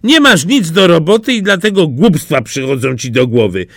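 A man's voice: a little high, expressive, moderate pace, a bit bright, no room sound, clean studio sound, voice pushed up. Man doing a bossy scolding hen. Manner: scolding, haughty. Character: bossy, self-important female hen.

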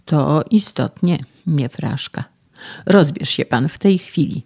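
A man's voice: fairly high pitch, expressive, slow pace, vocal fry, a little mellow, heavily acted. A man reading an audiobook, voicing a self-assured physician who lectures a young man in a sermonizing, patronizing way. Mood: lecturing.

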